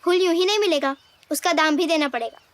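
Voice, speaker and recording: A woman's voice: very high voice, no echo. A woman voicing a chatty flower girl. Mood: teasing. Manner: chatty, teasing, brisk. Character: cheerful little girl who gathers flowers.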